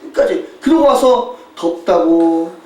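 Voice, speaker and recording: A Korean pastor preaching a sermon with a mission report, telling stories with lively mimicry and frequent laughter. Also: male voice, high voice, measured pace. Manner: animated storytelling, mimics shouting tourists, laughs often. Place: church sanctuary. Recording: echoey church hall, distant mic.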